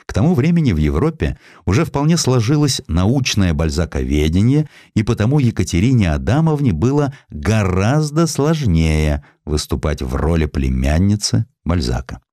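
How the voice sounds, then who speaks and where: A man narrating a historical essay as an audiobook, in a dramatic, expressive storytelling manner. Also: deep voice, normal speed, hardly any pauses, dry recording, studio quality.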